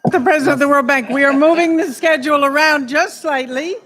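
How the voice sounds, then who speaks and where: A woman's voice: high-pitched, a little fast, noisy background. A woman moderating a formal summit, introducing speakers in a ceremonious manner. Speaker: event moderator.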